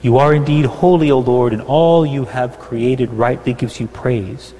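Solemn priest with cathedral echo. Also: male voice, mid-range voice, fairly even intonation, dark tone. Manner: measured, solemn reading of set prayers. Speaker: priest celebrating Mass. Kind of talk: liturgical prayer, partly chanted. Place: large church. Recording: long church reverb.

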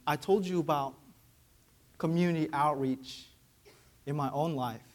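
A young man with Vietnamese as his first language, preaching a sermon in a conversational way and often asking "right?". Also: fairly high pitch. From Vietnamese American, raised in Georgia. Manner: conversational, frequent "right?" tag questions.

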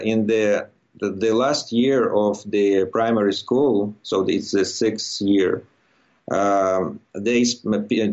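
A middle-aged man from Russia, a native Russian speaker with a Russian accent, giving a halting, conversational account as an interview guest and often searching for words. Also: fairly low pitch, muffled recording. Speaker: interview guest, immigrant to Quebec.

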